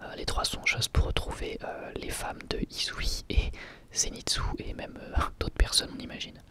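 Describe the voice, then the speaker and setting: An ASMR reviewer speaking informally in a halting, hesitant way, close to the microphone, in an episode review. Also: sharp tone.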